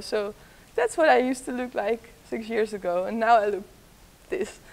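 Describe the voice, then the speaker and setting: A woman with a Dutch accent talks at a moderate pace in a fairly high pitch. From Netherlands. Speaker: artist giving talk. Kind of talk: lecture. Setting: lecture hall with audience. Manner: informal, joking, laughs often. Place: hall.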